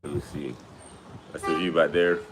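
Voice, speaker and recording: A Jamaican man with a low, deep voice hosts a relaxed livestream from his home. He talks loosely and rambles, speaking straight to his viewers. Clear noise runs under his voice throughout. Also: moderate pace. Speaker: livestream host on money and investing. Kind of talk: casual livestream talk to viewers. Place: at home, with a view behind.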